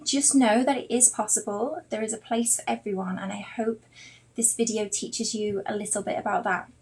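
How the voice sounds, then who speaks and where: Slightly high and a little mellow, this Liverpool woman's voice comes through on a low-quality recording as she rambles casually to viewers during her art live stream. She's an artist who teaches drawing online.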